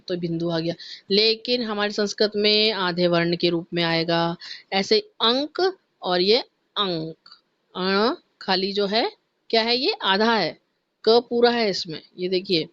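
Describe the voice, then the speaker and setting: A woman with a medium-pitched voice teaches a Sanskrit class online to young pupils, speaking patiently and spelling out each syllable. It's an online class recording with a dull, dry, lo-fi sound.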